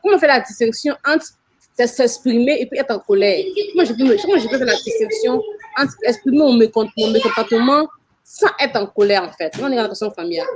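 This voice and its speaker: Hesitant woman with a higher voice asking questions. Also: lively intonation, fairly quick, husky.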